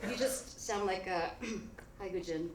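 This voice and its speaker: A woman's voice: mid-range voice, a little slow, reverberant, noisy background, lightly acted. A woman playing a young Japanese American actress who insists that she should take the other role. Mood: insistent. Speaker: Patty's actress. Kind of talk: staged reading of a play.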